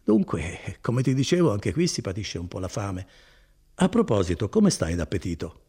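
A man voicing a chatty, good-hearted older male cousin, a foreman, in an animated folksy manner with chuckles. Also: lowish voice, normal speed, breathy edge, full character voice. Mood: nostalgic.

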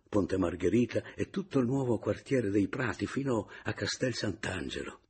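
Man, audiobook reader, husky, lively intonation, literary narration. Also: lowish voice. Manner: expressive, varied intonation.

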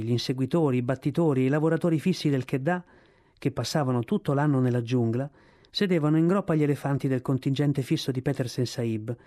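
A man reading a novel aloud in steady, measured narration. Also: mid-range voice. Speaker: reader.

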